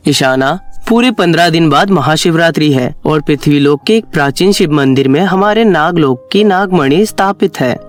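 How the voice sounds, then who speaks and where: A man's voice: on the high side, animated, moderate pace, few pauses, soft background music, close to an everyday voice. A man playing a fatherly, dutiful serpent king in a cartoon story. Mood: grave, trusting.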